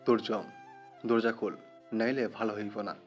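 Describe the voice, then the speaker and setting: A man's voice: fairly low pitch, little pitch movement, normal speed, close to an everyday voice. Man playing a snarling jealous gangster lover. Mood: menacing. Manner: menacing, snarling threats in rough street dialect. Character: violent jealous young male gangster lover. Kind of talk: audio drama acting. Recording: muffled audio with background music.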